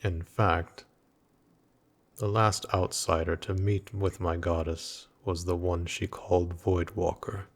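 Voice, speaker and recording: A man's voice: sits low, level tone, exaggerated voice. A man voicing a grim, weary earthen knight guarding a goddess, speaking formally and archaically in a dramatic audio roleplay. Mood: mournful, solemn. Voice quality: gravelly, husky. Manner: archaic, formal, menacing, slow.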